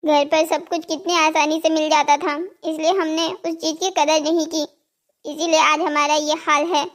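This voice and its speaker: A naive, dutiful cartoon boy as a woman plays him. The voice is extremely high and childlike, polite and earnest in delivery. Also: flat delivery, normal speed, natural voice. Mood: remorseful, earnest. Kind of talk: scripted cartoon story dialogue.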